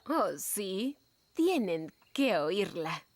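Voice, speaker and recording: Lively, fussy cartoon woman. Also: medium pitch, extremely slow, background noise. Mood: enthusiastic. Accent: Latin American Spanish.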